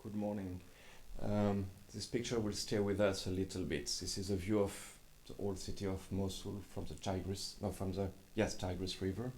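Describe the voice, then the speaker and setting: Male French-accented speaker, lower voice, formal conference address in a second language. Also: little pitch movement, normal speed, hardly any pauses, darkish tone, slight background noise. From France. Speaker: journalist and scholar speaking at a conference. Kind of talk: prepared conference talk.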